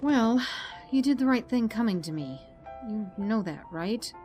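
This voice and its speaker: Female doctor, audio drama: principled, caring, earnest, slightly high voice over soft music. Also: expressive, unhurried. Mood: earnest, gently firm. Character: caring, principled woman doctor, torn by duty.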